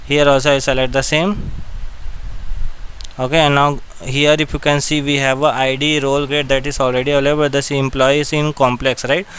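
Clear-voiced Indian man giving software instructions. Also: medium pitch, flat delivery, normal speed, poor audio. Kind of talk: step-by-step screen-recording tutorial narration.

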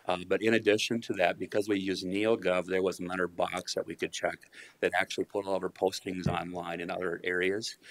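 A middle-aged man presenting a county department budget at a public meeting, polite and measured, speaking into a podium mic. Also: low-pitched, gravelly. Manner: measured, polite, uses fillers. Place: county commission meeting room.

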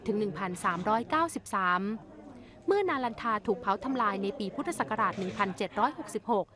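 A woman news reporter reading a scripted royal news report in a formal, measured way. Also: medium pitch, lively intonation, crowd noise.

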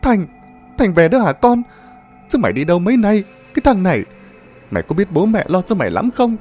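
A man's voice: medium pitch, very animated, brisk, a little mellow, faint music behind. A man voicing an older village mother, tearful and scolding over her lost son.

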